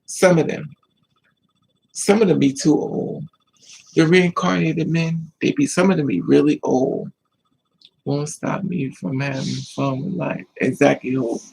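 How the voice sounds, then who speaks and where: Husky, gravelly, sassy American livestream host, higher-pitched man. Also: unhurried, long pauses, low-quality recording. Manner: candid, sassy, animated storytelling with mocking quotes. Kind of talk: casual livestream chat to viewers.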